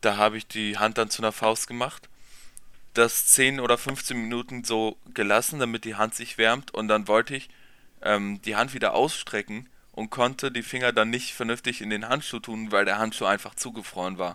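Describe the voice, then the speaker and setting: A man's bright, sharp, medium-pitched voice with fairly even intonation at a moderate pace, on a very clean recording with a silent background. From Münsterland, North Rhine-Westphalia, Germany. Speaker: podcast guest. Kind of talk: casual chat.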